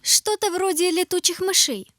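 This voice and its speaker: A wise girl adventurer in a fairy-tale cartoon. The voice is extremely high, sensible and thoughtful in temper, with faint music behind it. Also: normal speed, fairly bright tone, no room sound. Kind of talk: children's cartoon acting.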